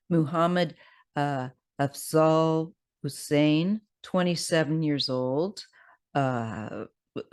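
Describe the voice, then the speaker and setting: Slow, scratchy-voiced tarot reader. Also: medium pitch. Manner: hesitant, halting delivery. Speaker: tarot card reader host. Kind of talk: casual unscripted talk, partly reading news aloud.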